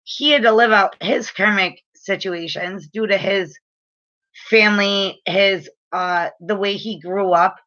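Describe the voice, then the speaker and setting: Woman, late 30s, spiritual reader, chatty and earnest, crisp bright tone, a bit muffled. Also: medium pitch, measured pace. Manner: chatty, filler-heavy, earnest and frank. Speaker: spiritual reader and energy healer. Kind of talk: casual spiritual advice talk to camera.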